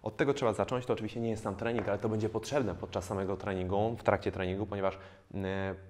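A man in his thirties, a fitness trainer, calmly explaining core exercises with frequent hesitation fillers, recorded on a lapel mic in a bare indoor studio. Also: lowish voice. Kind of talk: instructional exercise video.

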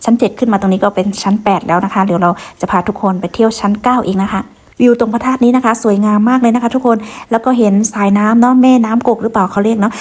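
A woman's voice: on the high side, fairly even intonation, racing. A woman from Kengtung hosting a vlog, chatting to viewers as she walks them around a hilltop pagoda outdoors. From Kengtung, Shan State, Myanmar. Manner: chatty, addresses viewers, many soft polite particles. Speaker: vlog host. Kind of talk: walking tour narration.

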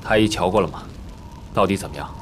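An actor playing a composed, solicitous young emperor in a period palace drama. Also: male voice, low voice, quick pace, natural voice. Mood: calm concern. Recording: faint background noise.

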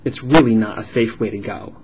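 A man voicing a signed vlog as an interpreter, explaining in halting phrases with uneven pauses. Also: lowish voice. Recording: dull lo-fi sound with clear background noise.

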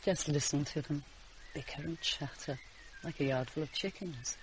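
A man's voice: fairly high pitch, normal speed, lightly acted. Terse, grumbling man played by an actor, noisy recording. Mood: weary disdain. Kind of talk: radio drama acting.

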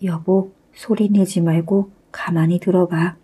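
A woman voicing a poor, frightened male farmer who speaks in hushed, urgent tones in a storybook tale. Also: fairly low pitch, fairly even intonation, a little slow, breathy edge. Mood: worried.

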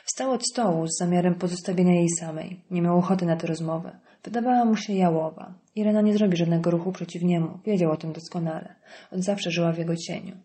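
A woman narrating an audiobook in a calm, even storytelling manner. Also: on the low side, fast, hardly any pauses.

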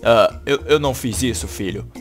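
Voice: medium pitch, normal speed, soft background music, voice pushed down, close to an everyday voice. A performer voicing a lazy aging father who stammers and mumbles, in a game-animation comedy. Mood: sheepish. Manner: stammering, sluggish.

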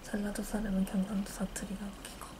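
A woman's voice: medium pitch, monotone, quick pace. Woman chatting politely amid background noise. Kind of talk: casual chat, polite speech. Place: indoor nail art studio. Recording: clear background noise in room.

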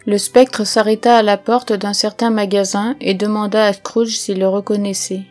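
A woman narrating a classic story for an audiobook in a measured, even reading. Her pitch sits mid-range and barely rises or falls. Faint instrumental music plays behind her. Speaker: audiobook reader. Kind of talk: scripted narration.

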